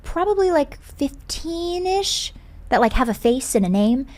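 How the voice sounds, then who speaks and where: A woman's voice: sits high, big pitch swings, measured pace, a little mellow. Chatty young woman, giggly. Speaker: podcast guest, voice actor and singer. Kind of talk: casual chat, telling anecdotes.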